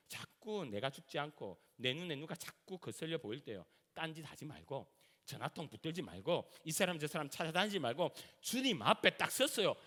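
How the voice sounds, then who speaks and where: Animated Gyeongsang-accented male pastor preaching. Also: fairly high pitch. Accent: Gyeongsang Korean. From Gyeongsang region, South Korea. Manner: animated, colloquial preaching that acts out everyday scenes. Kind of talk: sermon. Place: church sanctuary. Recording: reverberant church sanctuary.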